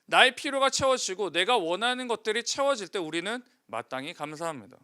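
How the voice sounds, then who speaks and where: A man's voice: high-pitched, big pitch swings, a little fast, pushed and bright, clean tone. A male pastor preaching a sermon, putting questions to the congregation and answering them himself.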